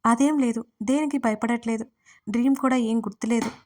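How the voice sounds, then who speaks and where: A woman's voice: on the high side, fairly even intonation, fairly quick, a little mellow, lightly acted. Brief: anxious, stubborn young wife, read by a female narrator; raised, protesting tone.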